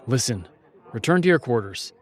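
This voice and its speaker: A man's voice: mid-range voice, big pitch swings, moderate pace, some chatter behind. A man playing a stern, protective royal guardian in a fantasy audio drama, speaking in a firm, serious way. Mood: reassuring, firm.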